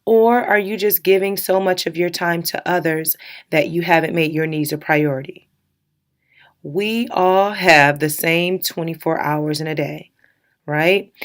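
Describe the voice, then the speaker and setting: A woman in her thirties hosting a solo self-help podcast, candid and encouraging, laughing now and then, her voice a little raspy from recording early in the morning. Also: low-pitched. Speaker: podcast host.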